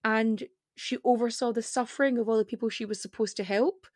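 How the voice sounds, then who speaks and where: A woman's voice: a little high, steady tone, no room sound. Chatty woman guest, very dry sound. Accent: non-standard regional accent. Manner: rapid, self-interrupting, with frequent fillers. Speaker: podcast guest. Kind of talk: casual podcast chat.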